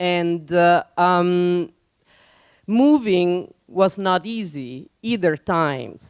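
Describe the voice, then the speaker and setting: The speaker has an Italian accent and ordinary pitch variation, captured in a very clean recording with a silent background. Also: woman. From Italy. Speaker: nonprofit office director. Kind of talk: public talk. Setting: forum with live audience.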